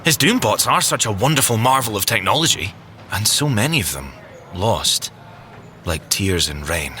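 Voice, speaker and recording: An actor playing an excitable, geeky young Scottish tech agent in an audio drama, enthusiastic, fussy and expressive. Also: male voice, lowish voice, moderate pace, slight background noise. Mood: wistful, dreamy.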